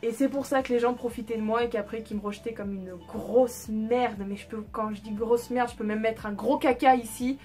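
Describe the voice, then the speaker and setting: A woman's voice: fairly high pitch, fairly even intonation, a little fast, few pauses, warm tone. A young woman telling a candid personal story in a casual vlog, chatty with lots of fillers and the odd swear word. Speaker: vlogger.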